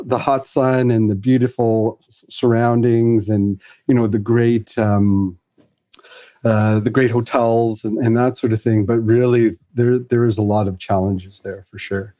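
Mellow-voiced man rambling through a story. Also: mid-range voice, fairly even intonation, measured pace. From Fiji. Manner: rambling, many fillers and restarts. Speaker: podcast guest. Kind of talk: casual conversational interview.

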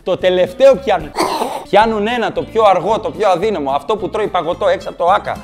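A man telling stand-up comedy stories, animated and switching into mock voices. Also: high-pitched, soft background music.

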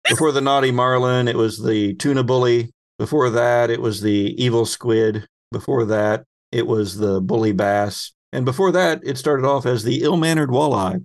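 A man's voice: mid-range voice, normal speed, hardly any pauses, no echo, clean studio sound. A man narrating a tabletop roleplaying game as game master, describing scenes in a wry, conversational way.

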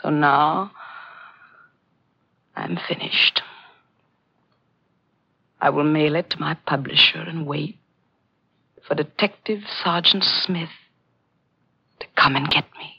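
A man playing an anguished confessed murderer in halting, melodramatic 1940s radio drama acting. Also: a little high, fairly even intonation, gravelly, sharp tone, husky, dry recording, exaggerated voice. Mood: haunted resignation. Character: anguished confessed murderer, a doomed mystery novelist. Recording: dull old radio recording, music behind.

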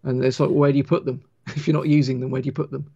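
A man with a gentle West Country accent from Wiltshire, explaining technical things informally as a guest author on a livestream. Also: mid-range voice, flat delivery, rapid-fire, creaky, husky, highs cut off. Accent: Wiltshire, English West Country. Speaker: guest author of a railway engineering book.

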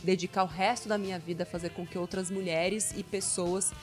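A woman's voice: on the low side, steady tone, brisk, soft background music. A woman hosting a radio talk show, explaining things step by step in an emphatic, coaching way. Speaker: host.

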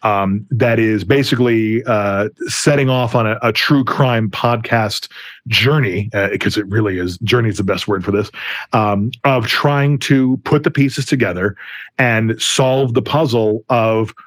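A man's voice: on the low side, measured pace, no room sound. An American man from Wisconsin speaking conversationally as an interview guest, telling his story in an earnest, enthusiastic manner. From Wisconsin, United States. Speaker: interview guest, film and TV producer.

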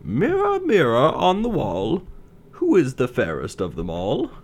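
A cruel, vain storybook queen who sneers and schemes, her voice raised high and swooping dramatically, as a male narrator puts her on. She has a theatrical, mocking edge. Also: huge pitch swings, a little slow, exaggerated voice. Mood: commanding.

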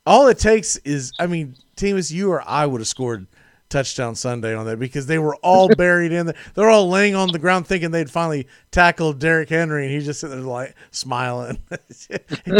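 A man hosting a casual sports talk show, animated and jokey, laughing often as he talks. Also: on the high side, normal speed, no room sound, clean studio sound.

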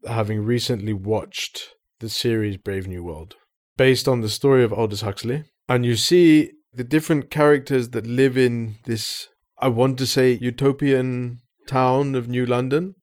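A man in a casual discussion, explaining his ideas with enthusiasm. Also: mid-range voice.

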